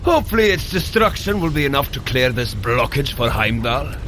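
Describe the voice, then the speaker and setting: An actor playing a boisterous, good-natured warrior god who speaks in grand, old-fashioned formal phrases in an audio drama. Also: male voice, medium pitch, big pitch swings, brisk, a bit bright, slight background noise. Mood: hearty, resolute. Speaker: guide and coach in a fitness adventure. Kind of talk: scripted audio drama acting.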